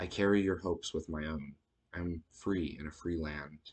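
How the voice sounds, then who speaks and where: Soft-spoken and somewhat breathy, a man with a very deep, low voice talks at a moderate pace with fairly even intonation. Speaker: community organizer and poet. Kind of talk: poetry reading. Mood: earnest, somber. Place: home room. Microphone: studio mic.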